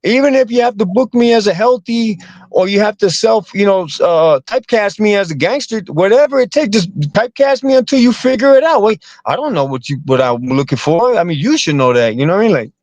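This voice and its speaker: A man's voice: high voice, animated, fairly quick, a little mellow, no room sound, highs cut off. A man, a comedian and actor, talking casually in an interview, rambling and repeating words with streetwise slang.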